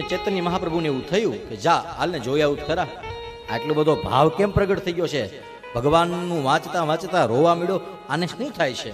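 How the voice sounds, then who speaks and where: A man, telling a devotional story as a sermon in an animated, rhythmic style with chanted verses. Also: on the high side, long reverb tail. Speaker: religious storyteller. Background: guitar music.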